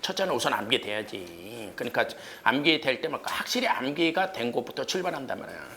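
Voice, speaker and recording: A male cram-school lecturer drills his class on exam material, his voice leaping up and down as he fires off questions and punchy checks. He drives the lesson with playful memory tricks. Faint hiss and the odd click sit under the lecture. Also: mid-range voice. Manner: animated, keeps asking the class quick questions. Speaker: history lecturer.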